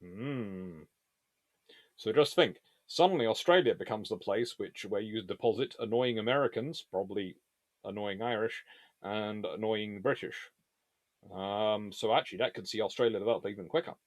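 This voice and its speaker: A man with a lowish voice hosts a casual live Q&A, answering viewer questions about naval history at a normal speed. He rambles and digresses, frequently correcting himself, and the recording has no echo.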